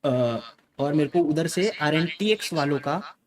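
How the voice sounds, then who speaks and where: A young man with a slightly higher voice speaks straight to his viewers in a casual way. His talk is emphatic and insistent, switching into English phrases mid-sentence. He keeps coming back to "okay" to push his point. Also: lively intonation, unhurried. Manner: mixes Hindi with English phrases. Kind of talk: casual spoken account to viewers.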